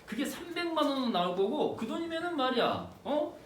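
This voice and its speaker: A man's voice: very high voice, very animated, brisk, voice pushed up. A man doing a boastful poor drunk husband. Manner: boastful, punctuating with "eh?". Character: poor drunk husband bragging loudly about money. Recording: roomy, distant with faint hiss.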